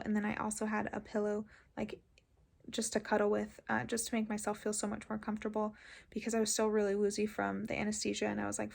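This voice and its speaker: A woman talks casually about her own experience, as if in a personal vlog. Her voice has a gravelly fry and stays fairly flat in pitch. She moves along haltingly, padding her sentences with filler words. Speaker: patient vlogger recounting surgery.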